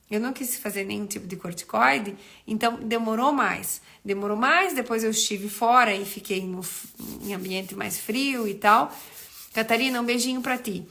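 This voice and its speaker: Woman on a live stream, bit high, gravelly fry, throat still rough from a cold, rambling chatty. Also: fairly bright tone. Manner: chatty, greets viewers by name, rambles with restarts. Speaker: nutritionist hosting a live stream. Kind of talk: casual live-stream chat.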